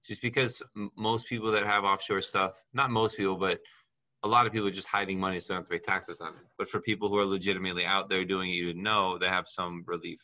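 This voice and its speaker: An American man from Miami, hosting a video call consultation and explaining tax rules casually with quick asides. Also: low voice, pushed and bright. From United States. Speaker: tax advisor host.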